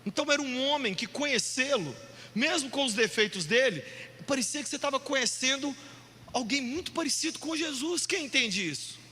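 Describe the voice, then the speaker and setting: A male pastor preaching an animated, jokey sermon, shouting out points for emphasis in a church hall. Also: extremely high pitch, fairly quick, slightly rough. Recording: long hall reverb.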